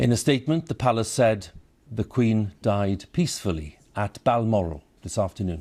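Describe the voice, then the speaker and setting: Using lively intonation, a man speaks at a moderate pace with a fairly low pitch and a dark, mellow tone. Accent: slight Welsh. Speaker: news presenter. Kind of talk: solemn television news announcement. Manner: grave, measured, formal.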